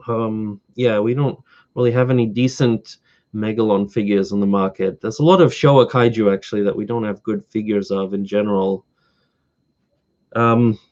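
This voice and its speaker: A man hosting a casual live stream, slightly hoarse from talking all day, rambling eagerly as he answers viewers. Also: on the low side, a little mellow, lo-fi sound. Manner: rambling, eager collector fan.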